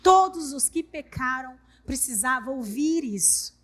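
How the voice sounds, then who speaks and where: High, bright-voiced Brazilian woman preaching. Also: expressive, measured pace. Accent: Brazilian Portuguese. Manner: emphatic, repeats phrases, addresses congregation directly. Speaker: pastor. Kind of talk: sermon.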